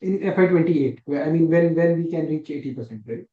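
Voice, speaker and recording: A man's voice: on the high side, brisk. A man asking questions as an analyst on a conference call. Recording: dull, echoey conference call audio.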